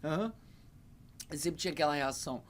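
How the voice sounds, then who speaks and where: A man's voice: fairly high pitch, fairly quick. A man in his thirties, an English teacher speaking to camera, hesitant, with many fillers and repeated words. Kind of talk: talking to camera about learning English.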